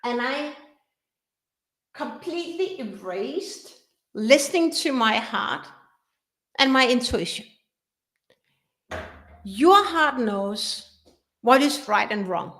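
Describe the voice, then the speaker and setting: Woman, unhurried delivery, slightly raised pitch, earnest coaching talk. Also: animated, fairly bright tone. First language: Danish. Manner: earnest, repeats and restarts phrases. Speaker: business coach. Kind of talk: live workshop talk.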